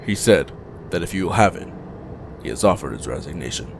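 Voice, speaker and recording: An actor playing a grave, loyal aide in an audio drama, speaking formally and deferentially. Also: male voice, sits low, animated, brisk. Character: grave, formal, loyal male aide reporting to his boss. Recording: clear background ambient noise.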